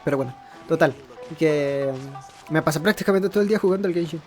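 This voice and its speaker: A man's voice: on the high side, rapid-fire. A man with a Mexican accent hosting a gaming video in casual, informal, self-deprecating chat. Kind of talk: casual let's-play chat. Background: game music.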